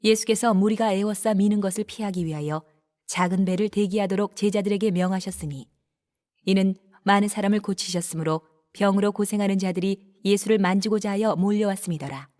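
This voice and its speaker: Woman narrator, scripture reading, steady even delivery, mid pitch. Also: fairly quick.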